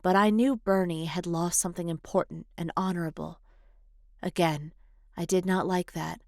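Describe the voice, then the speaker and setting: A woman reading scripted audiobook narration in a measured, articulate way on a close studio microphone. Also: lowish voice, fairly even intonation, darkish tone, no room sound. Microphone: close studio voice-over microphone.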